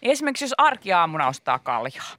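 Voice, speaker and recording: A man co-hosting a comedic radio show, animated and sometimes breaking into high play-acted shouts. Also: no room sound. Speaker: radio host. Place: radio studio. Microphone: studio mic.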